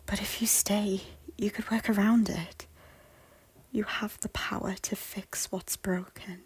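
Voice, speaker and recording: A woman playing a guilt-ridden noblewoman in an audio drama, pleading earnestly in formal, theatrical phrases with a breathy, husky voice. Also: medium pitch, fairly even intonation, a little slow, no echo, in a whisper. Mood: earnest reassurance. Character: guilt-ridden, repentant noblewoman and former schemer, earnestly hopeful. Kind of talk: audio drama acting of a Shakespeare-style story.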